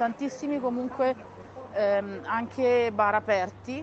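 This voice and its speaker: A woman talks at a high pitch while noticeable background noise carries on behind her. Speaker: field reporter. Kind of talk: live on-scene report.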